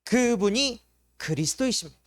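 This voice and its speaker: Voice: medium pitch, expressive, moderate pace, no room sound, studio quality. A junior pastor preaching at an evangelism school, explaining step by step with rhetorical questions and acting out complaining inner thoughts.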